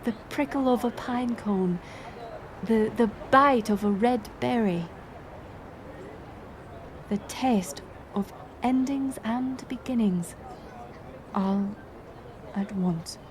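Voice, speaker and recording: A woman's voice: fairly high pitch, background noise. A woman playing a playful, curious village woman in a romantic audio roleplay, speaking in archaic thee-and-thou English. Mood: hushed, tender. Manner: archaic thee-and-thou speech, slow and musing. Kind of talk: romantic audio roleplay acting addressed to the listener.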